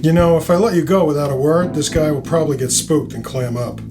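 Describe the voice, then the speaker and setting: A man's voice: on the high side, fairly quick, over music, pitched above the performer's own voice, lightly acted. A man voicing a weary, resentful police detective with a blunt, grumbling manner in an audio drama. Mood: grudging. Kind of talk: audio fiction character reading.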